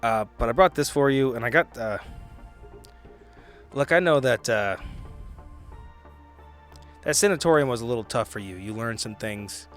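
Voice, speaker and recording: A man playing a gruff, bookish, kindhearted but emotionally clumsy character in a tabletop game, talking in a halting, blunt way. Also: medium pitch, faint music behind, lightly acted. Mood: sheepish, awkward.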